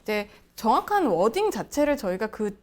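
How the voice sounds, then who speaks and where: A woman speaking as a lawyer guest, answering and explaining in a courteous, formal, measured way. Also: a little high, big pitch swings. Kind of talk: polite interview answers and legal explanation.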